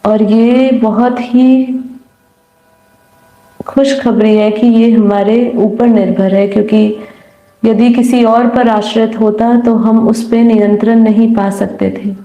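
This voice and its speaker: A woman guiding a meditation in a soothing, unhurried manner with long pauses. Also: fairly high pitch, little pitch movement, mellow, muffled recording. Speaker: meditation guide. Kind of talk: guided meditation, slow calm instruction. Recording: roomy echo. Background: faint music.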